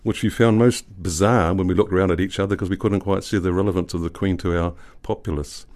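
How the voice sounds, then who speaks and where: An older man, a guest poet telling a history with wry, measured storytelling in a podcast interview. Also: low voice, fairly even intonation, darkish tone. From New Zealand.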